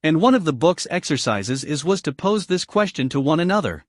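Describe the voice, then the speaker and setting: Man, Greek accent, audiobook narrator, animated, slightly high voice, dry close sound. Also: a little fast, no echo. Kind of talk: self-help audiobook narration.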